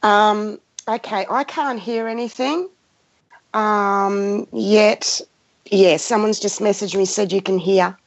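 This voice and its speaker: A woman's voice: mid-range voice, fairly even intonation, slow, creaky. A woman in her fifties giving an unscripted, passionate spiritual talk, speaking emphatically and repeating phrases as she guides listeners. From Greek background. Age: 50s. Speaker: spiritual guide hosting a live session. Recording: muffled, roomy lo-fi sound.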